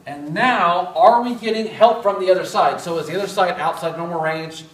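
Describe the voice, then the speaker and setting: A middle-aged man lecturing through a face mask in a large, echoey classroom, picked up by a camera well across the room. His voice sits a little high for a man, and he keeps things casual and self-deprecating, tossing questions to the students. A faint hiss lies under the recording. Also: moderate pace, recorded from a distance. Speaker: respiratory therapy instructor. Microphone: far camera.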